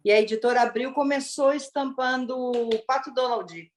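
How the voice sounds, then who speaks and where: A woman actress born in Italy and raised in Brazil, chatting in an interview as a lively storyteller full of exclamations. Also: fairly high pitch, moderate pace. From born in Turin, Italy, raised in Brazil. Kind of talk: casual interview chat.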